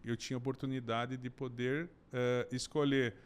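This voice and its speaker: A middle-aged man from southern Brazil with a gaúcho accent, a podcast guest telling his story in a relaxed, joking way. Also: medium pitch, normal speed, smooth. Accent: Gaúcho Brazilian Portuguese. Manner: warm storytelling, jokey asides. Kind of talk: casual podcast conversation.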